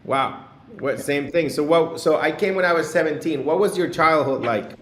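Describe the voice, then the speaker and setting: A man's voice: a little high, moderate pace, a little hiss or hum. Upbeat podcast host man, roomy sound. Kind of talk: podcast interview. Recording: roomy sound with faint music.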